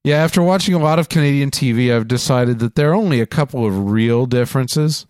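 A man co-hosting a casual chat show, joking and throwing in quick quips. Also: medium pitch, a little mellow, clean tone, dry recording. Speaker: podcast co-host.

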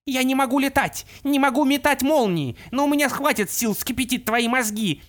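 A gloating, shrieking pixie villainess from an audiobook, her voice soaring very high and loud, as a male narrator puts her on. She is vicious and furious, drawn out with slow, spiteful emphasis. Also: very animated, full character voice. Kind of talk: audiobook character voice.

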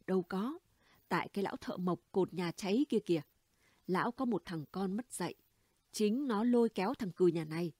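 A brash, gossipy middle-aged neighbor woman, voiced by a female reader spills stories in a chatty, conspiratorial audiobook voice. The tone is warm and mellow with a soft breathy edge. The recording is dry and close. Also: mid-range voice, expressive, moderate pace, dry recording. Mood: gossiping. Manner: chatty, blunt, conspiratorial storytelling. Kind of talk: audiobook character dialogue.

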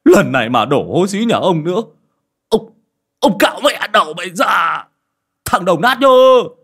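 A man voicing a bald old villager who shouts curses with a stammer. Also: high voice, very animated, a little slow, slightly rough, pitched above the performer's own voice, heavily acted. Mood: raging.

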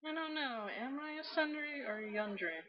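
A woman co-hosting a casual podcast chat, giggly and unhurried. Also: high voice, expressive, highs cut off, a little hiss or hum. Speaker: podcast co-host.

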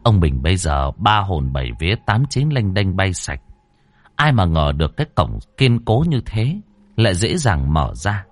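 A man's voice: deep voice, very animated, moderate pace. A man narrating a ghost story in a dramatic, suspenseful way. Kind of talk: audiobook narration.

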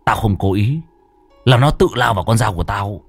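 A man voicing a brutal young male robber who threatens in a low, hissing voice. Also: animated, brisk, husky, no room sound, faint music behind. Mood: menacing.

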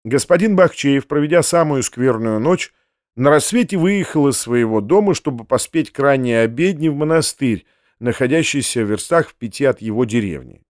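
A man reading a classic novel aloud in steady, expressive scripted narration. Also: medium pitch, moderate pace, no room sound, studio quality. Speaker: audiobook narrator.

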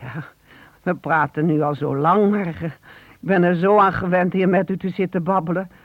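A woman's voice: lowish voice, fairly even intonation, no echo, close to an everyday voice. An actress playing a poor, grateful old woman chatting hesitantly in a radio play. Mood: cosy, chatty. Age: older. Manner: hesitant, halting, chuckling. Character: poor, grateful, chatty old mother-in-law at a phone booth. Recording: narrow telephone-like old radio recording.

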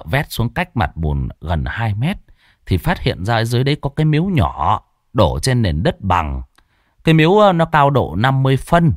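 A man's voice: mid-range voice, no room sound, studio quality. A man voicing a nervous, humble middle-aged homeowner who stammers and speaks deferentially.

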